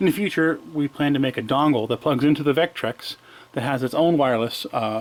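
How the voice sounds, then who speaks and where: The speech is mumbled at a fairly quick pace, with ordinary pitch variation. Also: man. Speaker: electronics hobbyist and board designer. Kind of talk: casual unboxing tutorial. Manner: mumbling; halting, many fillers and repeats.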